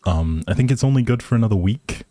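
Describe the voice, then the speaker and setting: A man's voice: mid-range voice, lively intonation, fast talker, dark tone, dry recording, clean studio sound. A man hosting a casual livestream, chatting to viewers in a hesitant, rambling, appreciative way. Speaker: live streamer, host.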